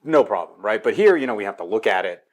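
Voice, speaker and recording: A man chatting casually through a home theater walkthrough in his living room, telling it in a rambling, animated, slangy way. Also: on the low side, fast. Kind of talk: casual gear walkthrough chat.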